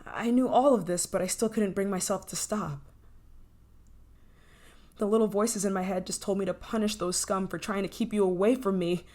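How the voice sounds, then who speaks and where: A woman's voice: mid-range voice, darkish tone, lightly acted. A woman playing an obsessive, menacing scientist in an intense, possessive ASMR roleplay. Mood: somber, confessing. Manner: intense, pleading, possessive, dramatic pauses. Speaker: voice actor in audio roleplay.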